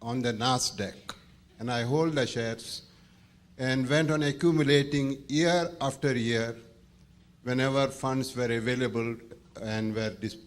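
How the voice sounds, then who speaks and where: A man's voice: mid-range voice, fairly even intonation. A man from India putting a formal, carefully worded question as a shareholder at a public meeting. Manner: formal, deliberate, courteous wording. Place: large meeting hall, at an audience microphone.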